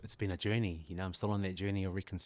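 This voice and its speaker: A New man in his forties, whose was Samoan, speaking with a very deep, low voice. He talks reflectively and pauses to search for words, like a guest opening up on a podcast. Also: flat delivery, a little mellow. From New Zealand. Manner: thoughtful, pauses to find words.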